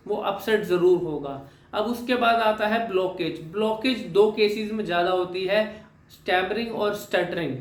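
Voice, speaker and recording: Young male speech coach, high-pitched, explains step by step with repeated phrases; echoey room. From Haryana, India. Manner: mixes English terms into Hindi, repeats phrases for emphasis. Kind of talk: explanatory lesson talk.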